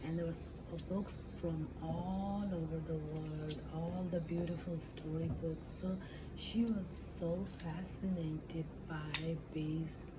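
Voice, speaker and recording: A woman with a slightly low voice retells a fairy tale for ASMR. She takes her time, halting and humming between phrases. There is clear background noise on the recording. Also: fairly even intonation. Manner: halting, with hums and drawn-out pauses. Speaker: ASMR storyteller.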